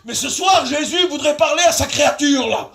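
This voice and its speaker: Male pastor, very high voice, fervent revival preaching, repeats phrases, pushes into shouts and sing-song lines. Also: moderate pace, gravelly. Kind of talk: evangelistic sermon. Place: large tent at an evening revival meeting.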